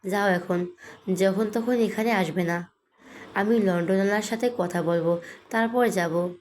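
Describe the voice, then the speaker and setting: A woman's voice: medium pitch, measured pace, darkish tone, a little hiss or hum, close to an everyday voice. Woman voicing an irritable young bride. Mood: irritated. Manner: curt, snapping replies.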